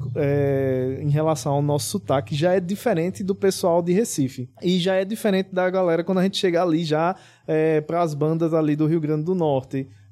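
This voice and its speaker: A man with a strong Pernambuco accent speaks at a moderate pace in a fairly high voice with a dark, mellow tone, ordinary pitch variation, very even loudness and hardly any pauses. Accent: strong Pernambuco (Caruaru). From Caruaru, Pernambuco, Brazil. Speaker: podcast co-host, audiovisual worker. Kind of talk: casual chat.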